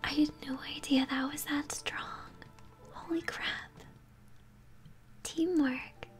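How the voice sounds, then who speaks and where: A young woman streaming a game whispers ASMR commentary indoors at home, chatting supportively to viewers as game music plays. She speaks slowly in a high-pitched voice with fairly even intonation.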